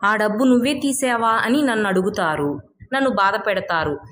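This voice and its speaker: A woman's voice: medium pitch, normal speed, a bit bright, lightly acted. A woman voicing a principled young village daughter in a storybook tale, speaking earnestly and firmly. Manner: earnest, reasoning.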